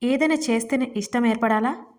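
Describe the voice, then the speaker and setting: A woman's voice: a little high, a little fast, darkish tone, lightly acted. A woman voicing a tearful young wife who pleads emotionally in an audio story. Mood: pleading.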